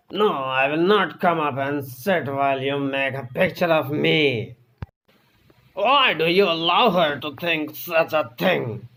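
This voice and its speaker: A man voicing a gravelly, slow old painter. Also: a little high, pushed and bright, full character voice, poor audio. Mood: grumbling. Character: gruff old male painter, stubborn and loud.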